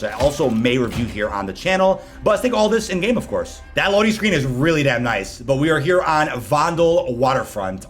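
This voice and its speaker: Very fast-talking male gaming channel host. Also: mid-range voice. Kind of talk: scripted-sounding gaming news commentary.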